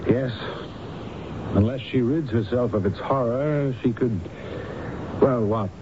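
Man acting a measured doctor on noisy radio. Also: medium pitch, lightly acted. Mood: grave, measured. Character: measured, thoughtful doctor discussing his patient. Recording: dull, noisy old radio broadcast.

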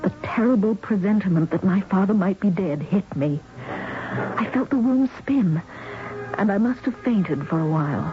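A woman's voice: medium pitch, lively intonation, normal speed, over music, close to an everyday voice. An actress playing a distraught, earnest, anxious young woman in a melodramatic radio drama, with emotional phrasing. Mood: anguished recollection. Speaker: actress playing heroine and narrator. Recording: dull, noisy old radio broadcast.

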